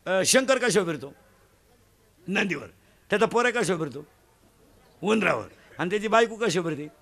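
High-voiced man preaching a comic sermon. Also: moderate pace, vocal fry. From Maharashtra. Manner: animated, loud bursts, mimics village folk. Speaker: kirtan preacher.

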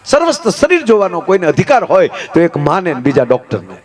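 A man telling folk comedy stories, animated and switching voices for his characters. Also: high voice, fairly quick. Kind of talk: live folk comedy storytelling.

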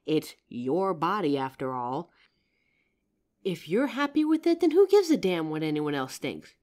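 A woman acts out a protective, affectionate girlfriend in an intimate audio roleplay. She takes her time over the words, and her pitch moves in lively swings. The manner is tender, earnest and a little teasing. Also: measured pace. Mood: indignant, protective. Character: loving, protective girlfriend reassuring her partner. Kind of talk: intimate comfort roleplay, ASMR acting.

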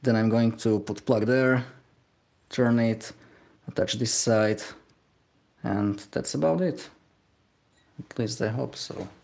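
Working at home on a live stream, a young glassblower with a Slovak accent talks haltingly, hesitating and putting himself down. His voice is mid-range, creaky and a little mellow, and the commentary is casual.

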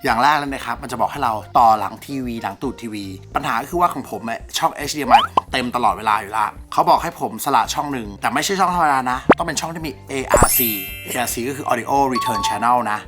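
A man with a middle-pitched voice hosts a relaxed gadget review. He is excitable and self-mocking, with loose casual swearing. Background music plays clearly under his voice. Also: fast talker, few pauses. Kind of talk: casual tech review vlog.

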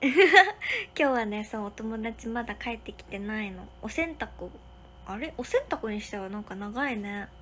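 A young woman, hosting a casual livestream from a hotel room and thanking viewers for their comments one by one, sometimes dropping to a soft whisper. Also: mid-range voice, moderate pace, slight background noise. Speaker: livestream host.

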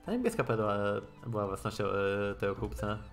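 Guy streamer reading game dialogue out loud, kinda halting, lowish voice, music behind him. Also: sing-song. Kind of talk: reading visual novel dialogue aloud with off-the-cuff commentary.

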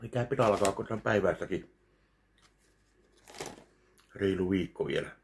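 A man in his thirties giving a slow, deadpan review of a meal while eating at home in his kitchen. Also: low voice, vocal fry, a little hiss or hum. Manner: slow, deadpan, pauses between bites. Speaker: food vlogger. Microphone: webcam at close range.

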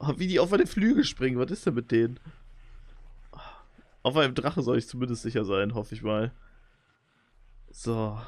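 A young man doing live, excitable commentary on his own gameplay, talking straight to his viewers. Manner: excitable, talks to viewers, jumps into high squeals when excited. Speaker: let's play gamer.

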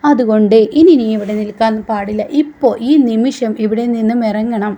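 A woman's voice: on the high side, fairly even intonation, moderate pace, dark tone, close to an everyday voice. Angry scolding foster mother, a woman reading her lines. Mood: accusing. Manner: harsh, accusing. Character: scolding middle-aged woman, fiercely protective foster mother. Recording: dull lo-fi recording.

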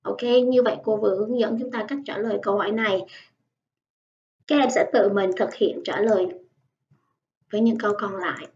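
A woman teaching English in an online lesson, patiently explaining and modelling phrases slowly. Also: medium pitch, fairly even intonation, a little mellow. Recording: dull, slightly distant lo-fi sound.

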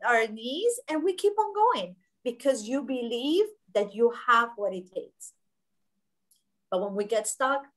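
Woman, 30s, webinar panelist on a video call; slightly high, emphatic, restarts a lot. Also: fairly bright tone, low-quality recording. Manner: emphatic, gestures with hands, frequent fillers and restarts. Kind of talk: conversational panel discussion. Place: home office, indoors. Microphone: laptop webcam video call.

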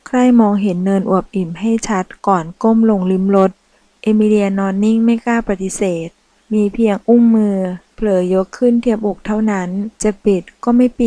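A woman narrating a romance novel as an audiobook, reading in a slow, measured way. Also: mid-range voice, warm tone, no echo, low-quality recording.

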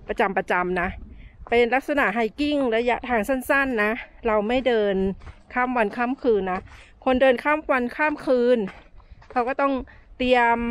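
A middle-aged woman chatting through hiking tips as she walks a sunny desert canyon trail, filming herself at arm's length, a little out of breath. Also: on the high side. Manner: chatty, friendly tips with soft sentence-final particles. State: slightly out of breath while hiking. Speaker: travel vlogger. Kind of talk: casual walk-and-talk vlog. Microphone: handheld camera at arm's length.

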